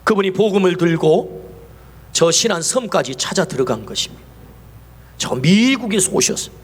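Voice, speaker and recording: Male pastor, high voice, sermon with rhetorical questions, long church reverb. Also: big pitch swings, moderate pace, breathy edge. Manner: asks the congregation many rhetorical questions. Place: church sanctuary.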